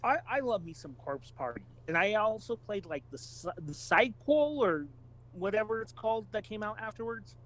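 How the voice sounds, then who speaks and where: A man with a notably high voice co-hosts a gaming podcast. His delivery is casual and eager, and he puts emphasis on his points as he chats. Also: expressive, moderate pace, fairly bright tone, low-quality recording. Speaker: podcast co-host.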